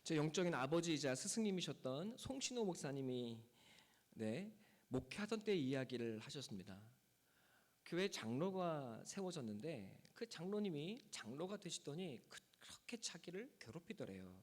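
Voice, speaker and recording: A man's voice: on the high side, sing-song, moderate pace, long reverb tail. A man preaching a Sunday sermon as the pastor of a church, with emphatic delivery. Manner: emphatic preaching, voice rising and falling sharply. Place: church sanctuary.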